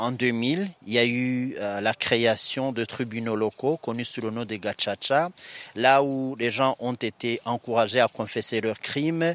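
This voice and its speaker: At a fairly slow pace, a man speaks at medium pitch with fairly even intonation, in a dry, close sound with no echo. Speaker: memorial guide, genocide survivor. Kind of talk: guided tour explanation. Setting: outdoors. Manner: halting.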